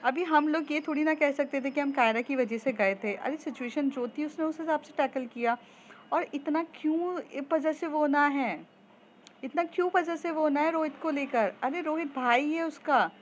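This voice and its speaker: A woman's voice: high-pitched, normal speed, muffled recording, slight background noise. A woman narrating a romance story in a casual, conversational way for a storytelling podcast.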